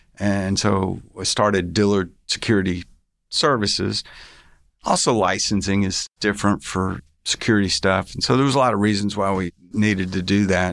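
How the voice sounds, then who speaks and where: In a very clean recording with a silent background, a man talks at a moderate pace with an American accent. He has a plain, everyday voice, fairly low in pitch, with fairly even intonation. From Texas, Dallas. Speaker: business owner. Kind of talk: interview.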